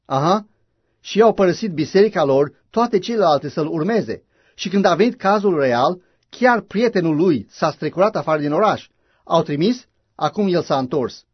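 A man's voice: a little high, expressive, slightly rough, no echo. A man preaching a sermon in a fervent, emphatic way, with frequent exclamations. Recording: dull lo-fi recording.

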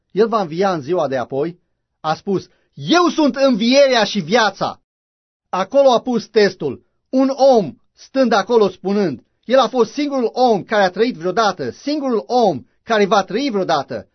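A man preaches with fervent, emphatic conviction, his somewhat high voice husky and breathy. The recording is dull and lo-fi, with a dry, close sound. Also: very animated, no echo. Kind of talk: sermon.

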